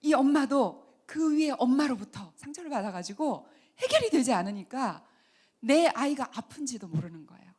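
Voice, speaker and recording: A middle-aged woman giving a Christian lecture on healing, talking earnestly and dropping to soft whispers for emphasis. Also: high-pitched, animated, moderate pace, husky. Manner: earnest, acts out mothers and children in quoted asides. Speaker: counseling center director giving a lecture.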